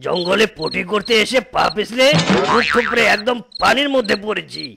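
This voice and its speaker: A man voicing a clumsy male ape, rough and blustering. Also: high voice, lively intonation, moderate pace, very noisy, heavily acted.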